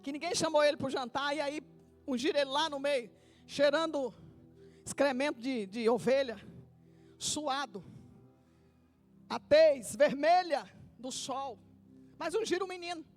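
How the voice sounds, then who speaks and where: A woman's voice: high-pitched, a little slow, pauses often, soft background music. A woman pastor preaching a sermon, acting out Bible dialogue and asking the congregation to repeat after her.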